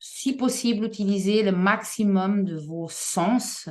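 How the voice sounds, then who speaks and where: Medium-pitched woman's voice with lively intonation and a non-native accent. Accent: foreign accent in French. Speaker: learning science educator. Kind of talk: online talk presentation.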